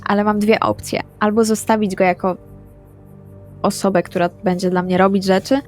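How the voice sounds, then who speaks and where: A woman's voice: mid-range voice, flat delivery, moderate pace. Female RPG player, middle register, serious delivery of improvised character lines, faint music underneath. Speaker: tabletop role-playing player.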